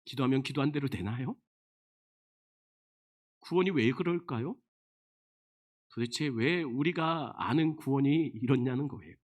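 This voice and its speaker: A man who is a senior pastor, preaching a sermon emphatically with many rhetorical questions and frequent sudden drops to a low, quiet voice. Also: unhurried, long pauses.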